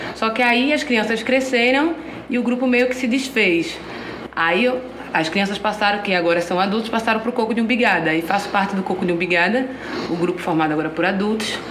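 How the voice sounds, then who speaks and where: A woman's fairly high, lively voice at a fairly quick pace, with very even loudness, audible room echo and noticeable background noise. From Olinda, Pernambuco, Brazil. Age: 20s. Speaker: percussionist and singer. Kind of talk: interview conversation.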